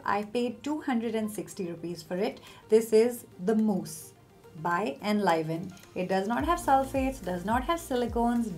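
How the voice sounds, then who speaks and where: Emphatic young woman, slightly high voice. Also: a little mellow. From India. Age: young adult. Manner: emphatic, direct, chatty. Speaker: beauty vlogger giving hair care tips. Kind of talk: casual instructional talk to camera.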